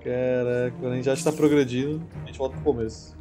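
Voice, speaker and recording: A man's voice: mid-range voice, flat delivery, fast. Young Brazilian man casually commenting on gameplay. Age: young adult. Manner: slangy, muttering asides to himself. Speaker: gaming streamer. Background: faint game music.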